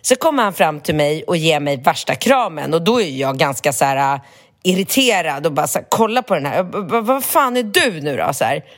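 Swearing, storytelling woman in her forties. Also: sits low. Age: 40s. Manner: animated storyteller, acts out quotes, swears freely. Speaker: podcast co-host. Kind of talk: casual chat, storytelling.

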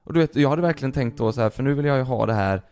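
A man chatting casually as a podcast co-host, swearing a lot as he vents and tells his story with animation. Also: mid-range voice. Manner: profane, venting, animated storytelling. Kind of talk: casual chat.

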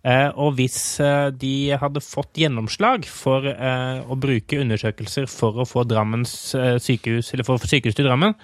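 A man co-hosting a casual media commentary chat, speaking haltingly with frequent pauses. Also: mid-range voice, fairly even intonation, no room sound. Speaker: podcast co-host.

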